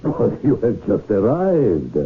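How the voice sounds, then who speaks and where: An actor playing a suave, coldly polite foreign kidnapper in a radio drama, heard over an AM radio broadcast. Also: male voice, lowish voice, huge pitch swings, slow, full character voice. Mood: coolly menacing. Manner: smooth, mocking, coldly polite. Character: suave menacing male foreign kidnapper boss. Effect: AM radio sound. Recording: tinny AM radio broadcast, faint hiss.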